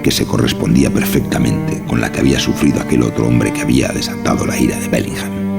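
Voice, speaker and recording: Very deep, gravelly male horror narrator. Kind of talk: scripted horror story narration. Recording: music behind the voice.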